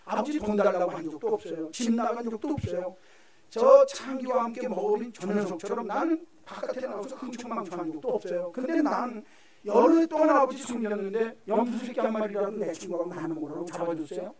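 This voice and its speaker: A man's voice: high voice, animated, a little fast, a little mellow. A man playing a resentful grown elder son who complains indignantly about his grievances. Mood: bitter complaining. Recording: echoey hall from far off.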